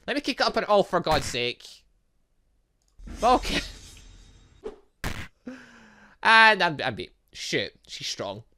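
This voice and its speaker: A man hosting a gaming video, giving excitable, exclamatory let's play commentary with muttered asides and game text read aloud. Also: high-pitched, slow, long pauses, a little hiss or hum.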